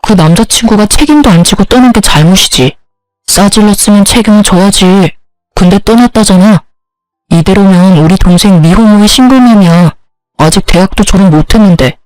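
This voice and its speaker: A woman's voice: medium pitch, moderate pace, darkish tone, no room sound, natural voice, poor audio. A woman reading as a defensive husband. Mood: pleading. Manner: pleading, defensive. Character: defensive husband, pleading then angry.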